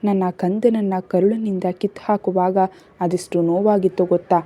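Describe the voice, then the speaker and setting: A woman's voice: medium pitch, fairly even intonation, normal speed, warm tone, close to an everyday voice. A woman voicing a fierce, vengeful young wife who snarls threats through clenched teeth. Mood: bitter.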